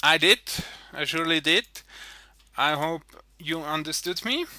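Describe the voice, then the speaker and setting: A man with a Swiss German accent speaks fairly slowly at a fairly high pitch, his tone bright and sharp, on a very clean recording with a silent background. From Switzerland. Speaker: gaming video commentator. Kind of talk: game commentary. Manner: halting, many fillers and repeats.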